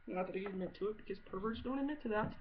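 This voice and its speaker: A woman rambles casually to her video audience with blunt, sarcastic humor and plenty of swearing. Her pitch sits in the middle for a woman. The recording is dull and muffled, with noticeable noise behind her. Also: very fast. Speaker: amateur video blogger. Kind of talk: casual comedic rambling monologue. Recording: muffled audio with clear background noise.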